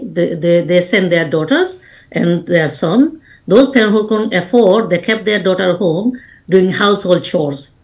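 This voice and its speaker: A woman from Bangladesh, speaking earnestly as a life coach and guest on a radio interview. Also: fairly low pitch. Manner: earnest, speaks in short restarting phrases.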